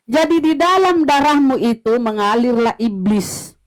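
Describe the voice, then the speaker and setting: A woman's voice: fairly high pitch, lively intonation, measured pace. A woman arguing in a heated religious debate, mocking and confrontational, hammering the same points. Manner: mocking, confrontational, repetitive jabs.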